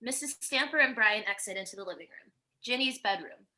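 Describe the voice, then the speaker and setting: Woman narrator, bright clear-cut tone, medium pitch, reading screenplay stage directions. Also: animated, fairly quick, poor audio. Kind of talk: scripted narration at a virtual table read.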